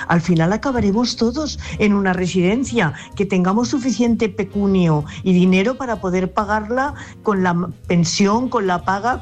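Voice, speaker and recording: A woman's voice: mid-range voice, darkish tone. An older woman from La Mancha with a Spanish accent, phoning into a radio show to give earnest, repetitive advice and often restarting her sentences. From Castilla-La Mancha, Spain. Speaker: caller. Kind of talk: radio call-in message.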